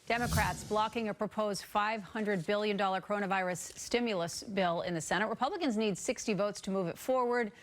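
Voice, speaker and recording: A woman's voice: mid-range voice, a little fast, few pauses, soft background music. Woman anchor reading morning news. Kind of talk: scripted TV morning news read.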